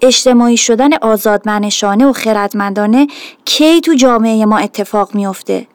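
A woman, a mother, calmly telling a reflective first-person story about her daughter. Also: a little high, clean tone, dry recording.

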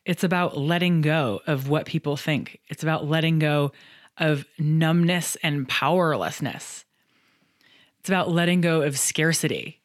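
A woman's voice: low voice, a little slow, no room sound, studio quality. A middle-aged woman hosting a solo podcast, talking through book reviews in a candid, chatty way with some self-deprecating humor. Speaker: podcast host and coach.

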